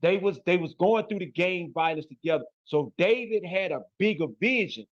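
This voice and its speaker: A blunt, emphatic man with a Chicago accent, using plenty of street slang. His voice sits a little high for a man. The audio is dry and somewhat dull, like a lo-fi recording. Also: expressive, normal speed, dry recording. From Chicago, USA. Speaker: guest. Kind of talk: casual interview talk.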